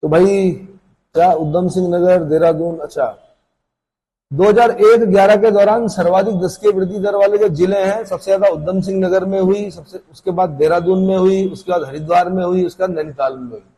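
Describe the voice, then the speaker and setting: A man's voice: high-pitched, fairly even intonation, fairly quick, dark tone, husky, low-quality recording. A man teaching an exam-prep class, lecturing casually and asking questions that he answers himself. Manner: conversational, asks questions and answers them himself.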